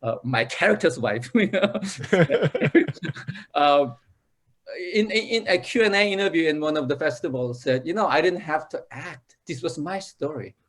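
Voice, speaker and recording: A man's voice: fairly high pitch, lively intonation, moderate pace, fairly bright tone. Thoughtful male actor explaining at length. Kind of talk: casual interview chat.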